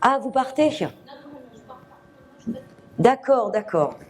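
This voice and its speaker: A woman medium giving a live reading to an audience, speaking gently with many fillers and restarts. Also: fairly high pitch, lively intonation, very slow, slight background noise. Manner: gentle, reassuring address to the sitter.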